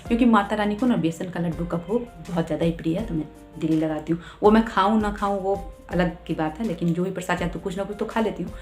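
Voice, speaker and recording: A woman's voice: fairly low pitch, quick pace, hardly any pauses, darkish tone, reverberant, faint music behind. A woman vlogger casually explaining her home puja routine at length. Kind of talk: casual devotional vlog talk.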